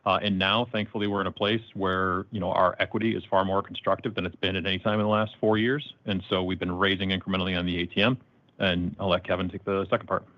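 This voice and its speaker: A man's voice: sits low, level tone, quick pace, no room sound. A man answering questions as a company executive in conversational business talk, on slightly dull conference-call audio.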